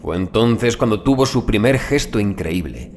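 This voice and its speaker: A man narrating a scripted first-person horror story in a measured, deliberate literary manner. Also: fairly low pitch, expressive, noisy background. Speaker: audiobook narrator.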